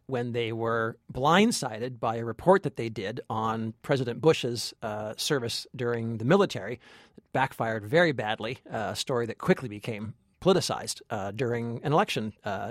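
A man co-hosting a film review podcast as a critic, chatting casually and haltingly as he searches for phrasing. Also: mid-range voice, no room sound, studio quality. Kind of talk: casual movie review chat.

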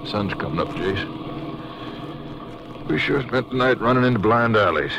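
A man's voice: on the low side, lively intonation, normal speed, gravelly. An actor playing a weary, plain-spoken lawman in a 1950s radio western, with a folksy way of talking. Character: weary male lawman after an all-night search. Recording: muffled, noisy old radio recording.

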